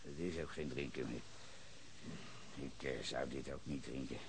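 An actor playing a bitter, hard-drinking former sea captain under questioning, brooding low then flaring into furious shouts in a radio drama. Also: male voice, steady tone, measured pace, a little hiss or hum. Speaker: suspect questioned by detective.

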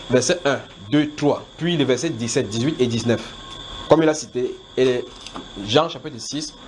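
A man with a Cameroonian accent teaching the Bible in an informal question-and-answer style, brisk and directive, often repeating himself. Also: medium pitch. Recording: clearly noisy amateur recording.

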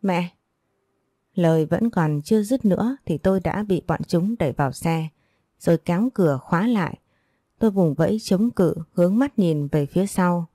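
A woman with a low, mellow voice reads a dramatic first-person story aloud. Her delivery is steady and earnest, recorded dry and close with no room sound. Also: normal speed, dry recording.

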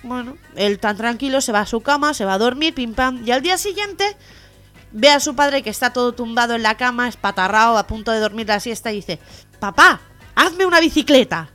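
A woman co-hosting a local radio comedy show with a Catalan Spanish accent, telling jokes with lively acted-out voices. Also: on the high side, brisk. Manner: lively joke-telling, acting out the lines of the joke characters. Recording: radio show with faint music behind.

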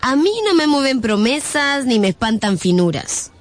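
An actress playing a proud, quick-witted young gypsy girl in a radio drama. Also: on the high side, expressive, natural voice. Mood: proud, firm. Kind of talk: Spanish radio drama acting.

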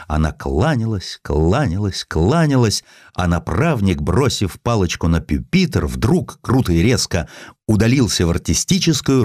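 A man's voice: low voice, a little mellow, no echo, studio quality. A man reading a literary story as an audiobook narrator, in a theatrical, dramatic storytelling style.

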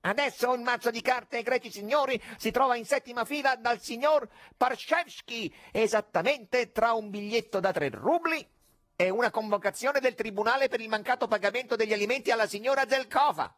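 A man voicing Fagotto, a sly and showy demon conjurer, in a husky voice with grand, mocking politeness. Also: very high voice, fairly quick, a bit bright, voice pushed up.

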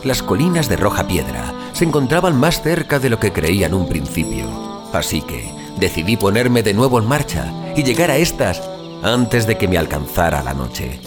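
A troubled man on a strange journey , acted by a man, tells his haunting dream as audio fiction. His voice sits fairly low and moves with very animated intonation. He is theatrical and suspenseful, pausing for effect, with prominent music behind him. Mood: reflective, urgent. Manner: theatrical, suspenseful, with deliberate dramatic pauses. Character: troubled male wanderer recounting a haunting dream. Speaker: narrator. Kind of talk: dramatic first-person audio fiction narration.

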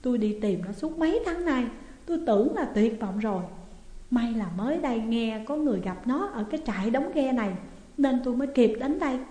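A woman's voice: on the high side, animated, brisk, warm tone, natural voice. A woman with a Southern Vietnamese accent voicing an anxious parent who has found a lost daughter. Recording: echoey room with long reverb.

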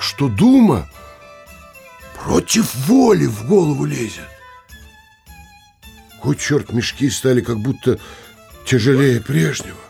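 Brooding lovesick young blacksmith, slow and gravelly. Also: male voice, mid-range voice, darkish tone, heavily acted. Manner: dramatic, musing aloud to himself. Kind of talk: theatrical audio drama monologue.

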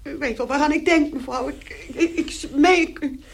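A nervous housemaid in a radio play. Her voice is fairly high, and she stammers submissively in short, breathless bursts. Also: normal speed, vocal fry, slight background noise. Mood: terrified, pleading. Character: frightened, servile housemaid begging and thanking her employers. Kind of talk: radio drama acting.

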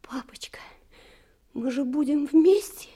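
An actress playing a commander's brave young daughter in a radio drama, tender, earnest and often hushed. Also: female voice, high-pitched, slow pace. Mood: hushed, devoted. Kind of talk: Soviet radio drama acting.

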